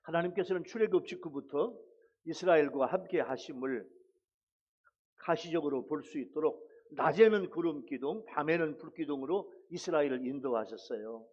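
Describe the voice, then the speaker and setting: Male pastor, high voice, exhorting sermon delivery with repeated phrases, dull recording. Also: lively intonation, moderate pace, darkish tone. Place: church sanctuary.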